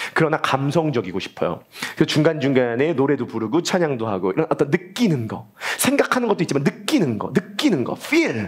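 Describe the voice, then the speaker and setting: Over noticeable background noise, a man with a fairly high pitch sounds animated, his pitch swinging very widely. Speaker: preacher. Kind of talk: sermon. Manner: fast.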